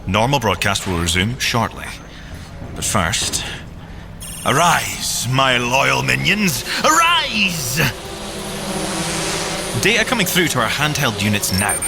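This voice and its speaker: An actor playing a boyish, excitable, boastful inventor agent in audio drama banter, with a theatrical delivery. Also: male voice, mid-range voice, slow pace, vocal fry, pauses often, noisy background, heavily acted. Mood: mock-serious, eager. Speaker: agent and engineer character.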